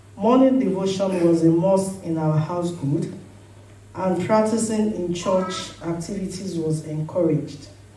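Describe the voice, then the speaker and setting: Noticeable background noise and audible room echo surround a woman's fairly low voice. She speaks at a fairly slow pace with ordinary pitch variation. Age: 40s. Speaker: church member giving testimony. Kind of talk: testimony. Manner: reading from prepared script.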